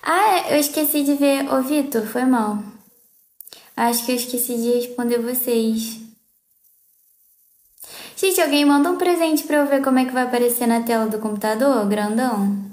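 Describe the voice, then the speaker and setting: Her voice is high and a little mellow, delivered at normal speed with frequent pauses, in a reverberant small room at home. She's a young adult woman with a Brazilian accent, chatting casually and playfully during a livestream.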